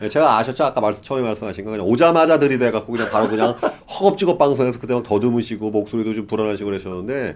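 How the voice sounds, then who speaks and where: The delivery is very fast, with hardly any pauses. Pitch variation is ordinary. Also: man, medium pitch for a man. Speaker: stock podcast host. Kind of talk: casual chat. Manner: clear, crisp delivery.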